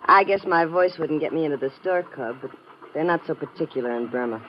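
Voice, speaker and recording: An actress playing a worldly, brassy American riverboat singer in a 1950s radio drama, slangy, wry and streetwise. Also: female voice, sits low, brisk, lightly acted. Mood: flirty, world-weary. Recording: muffled, hissy old radio recording.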